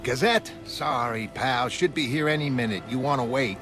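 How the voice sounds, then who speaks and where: A man voicing a brash, excitable street news vendor who shouts out headlines. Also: mid-range voice, moderate pace, close to an everyday voice. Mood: excited. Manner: brash, exclaiming. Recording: music underneath.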